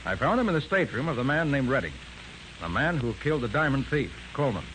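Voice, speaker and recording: An actor playing a shrewd, confident male private detective with an American accent in a 1940s radio crime drama, explaining things in an assertive, deliberate way. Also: medium pitch, sing-song, close to an everyday voice. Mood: confident, accusing. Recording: noisy 1940s radio recording.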